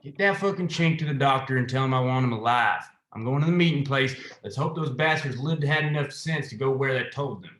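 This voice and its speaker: A man acts out a hard, threatening lawman boss of 1920s America. He speaks in a medium-pitched voice with a commanding, angry edge, as if at a drama table read. The sound is roomy and echoing. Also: brisk, hardly any pauses, a bit bright, lightly acted. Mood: furious.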